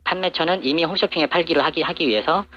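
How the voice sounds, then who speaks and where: A man's voice: fairly high pitch, quick pace, pushed and bright, lo-fi sound. An anonymous male supplier answering interview questions through an electronic voice changer that disguises his voice. He talks matter-of-factly and fills his answers with hesitant fillers. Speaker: anonymous supplier to TV shopping channels.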